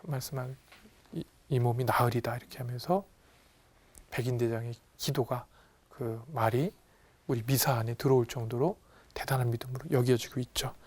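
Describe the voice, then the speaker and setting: A man, a Catholic priest, giving a lively retreat talk, acting out Gospel dialogue in different voices and quizzing his audience. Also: mid-range voice, moderate pace, slightly rough. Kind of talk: lively spiritual lecture to an audience.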